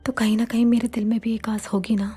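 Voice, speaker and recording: An actress voicing a young woman in love, speaking softly and tenderly in a dubbed film. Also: fairly high pitch, level tone, fast, slightly rough, soft background music.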